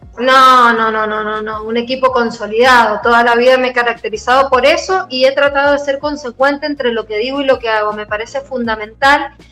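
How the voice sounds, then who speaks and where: A woman with a high pitch and fairly even intonation speaks with hardly any pauses. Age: 50s. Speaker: event producer and scriptwriter. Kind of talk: casual chat.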